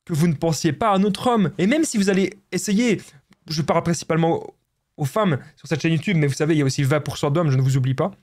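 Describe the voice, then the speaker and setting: High-voiced Belgian man giving advice. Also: quick pace, darkish tone. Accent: Belgian French. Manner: emphatic, repetitive, addresses viewers as friends. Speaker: relationship coach. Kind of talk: direct-to-camera advice monologue.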